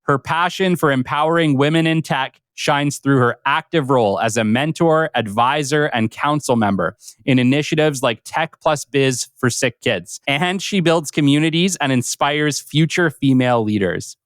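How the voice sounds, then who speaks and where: A man's voice: medium pitch, normal speed, a bit bright, smooth, no echo, studio quality. A man hosting a business podcast, introducing and interviewing a guest with effusive enthusiasm. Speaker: podcast host.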